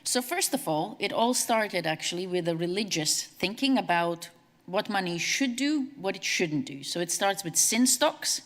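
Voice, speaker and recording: A woman from Latvia, giving a brisk, conversational conference presentation as a CEO. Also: medium pitch, lively intonation, a bit bright. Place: large conference hall. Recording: long hall reverb.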